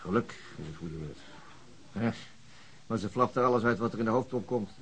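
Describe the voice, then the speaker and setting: An actor playing a weary, middle-aged chief inspector in a radio drama, gruff and dry, with hesitant, understated speech. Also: male voice, fairly low pitch, expressive, a little fast, fairly bright tone, slight background noise. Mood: mellow, wry. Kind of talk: naturalistic radio drama acting.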